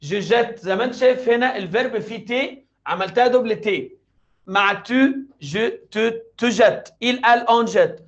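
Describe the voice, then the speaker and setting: A man with a strikingly high voice and an Egyptian Arabic accent leads a French review class. He chants conjugations in steady repetition and keeps checking that students follow. The recording sounds dull and lo-fi. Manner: drills conjugations aloud, repeating forms and checking in with the class. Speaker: French teacher. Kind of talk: exam review lesson.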